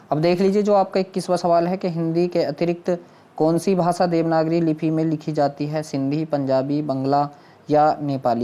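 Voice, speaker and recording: Mellow-voiced exam teacher working through quiz questions. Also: medium pitch. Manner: repetitive, question-and-answer explaining to viewers. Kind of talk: walking through quiz questions and answers for students.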